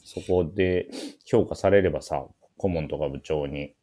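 A man's voice: rumbling low, unhurried, warm tone. A man with a Kansai accent hosting a casual chat show, teasing and quipping back. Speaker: radio show host.

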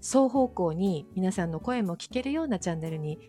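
A woman's voice: on the low side, lively intonation, moderate pace, mellow. A woman being interviewed in a casual chat, polite and self-deprecating in the way she talks. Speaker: interview guest, audio channel personality. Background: background music.

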